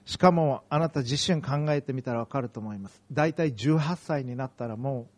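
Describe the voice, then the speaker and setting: A man's voice: mid-range voice, fairly quick, a little mellow. A middle-aged man from Okayama preaching a sermon, earnest and emphatic, telling personal stories. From Okayama, Japan. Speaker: pastor.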